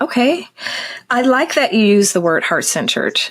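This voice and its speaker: A woman speaks with an animated tone and lively intonation. Her pace is fairly quick. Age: 40s. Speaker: portrait photographer. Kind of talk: interview conversation.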